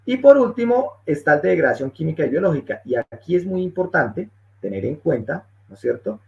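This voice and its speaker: A man's voice: fairly high pitch, big pitch swings, brisk, vocal fry, darkish tone. A male engineering instructor giving a technical webinar lecture, explaining step by step and checking in often with his listeners. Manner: explanatory, checks in with frequent "¿listo?". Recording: muffled lo-fi webinar audio.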